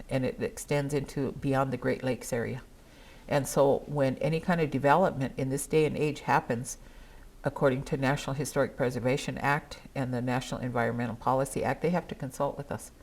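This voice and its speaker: An older woman whose first language is Dakota, speaking at a gathering in a measured, earnest way with pauses. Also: rumbling low, fairly even intonation, darkish tone. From South Dakota, USA. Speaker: treaty council member.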